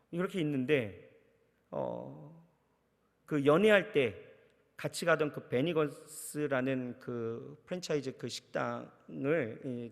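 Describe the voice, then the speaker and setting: Male pastor, thirties, high-pitched voice, sermon storytelling, acted inner monologue, reverberant church hall. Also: vocal fry. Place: church sanctuary.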